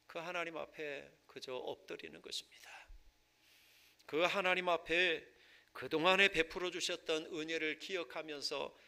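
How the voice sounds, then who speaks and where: A male pastor preaching a Sunday sermon in church, rising to loud impassioned stretches and falling to soft, hushed passages. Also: on the high side, vocal fry. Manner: swells to loud impassioned preaching, then drops to soft near-whispers. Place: church sanctuary.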